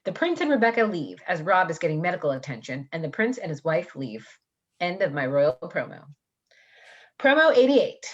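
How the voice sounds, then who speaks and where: A woman's voice: lowish voice, big pitch swings, normal speed, dull audio. A woman narrating stage directions from a script in an amateur staged reading.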